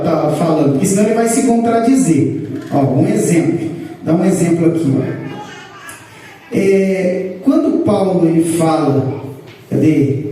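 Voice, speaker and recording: A man with a Brazilian Portuguese accent teaching a sermon to his congregation, explaining points and pushing his pitch up for emphasis. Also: dark tone. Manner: explanatory, rises in pitch to stress points, addresses congregation as brothers. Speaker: pastor teaching a church class. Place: church hall. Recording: echoey hall, picked up from a distance.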